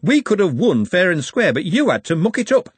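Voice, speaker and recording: A man's voice: high-pitched, very animated, fairly quick, husky, no echo, voice pushed up, exaggerated voice. A man voicing a mild, dry-witted middle-aged male butcher in an audiobook. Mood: wry. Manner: dry, sarcastic.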